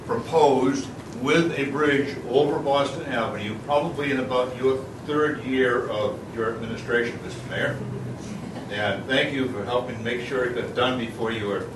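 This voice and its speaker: A man giving an informal thank-you speech as a guest, hesitant and repeating his phrases. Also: mid-range voice. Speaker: guest speaker, developer. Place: public event, picked up from a distance. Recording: distant echoey mic with loud ambient noise.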